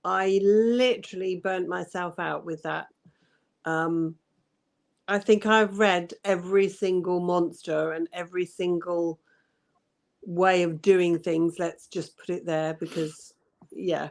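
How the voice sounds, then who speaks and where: A woman guest talks books in a relaxed, unhurried way, pausing to find the right word. She laughs easily and speaks at a slow, easy pace. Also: on the low side, creaky. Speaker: guest co-host. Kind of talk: casual livestream book chat.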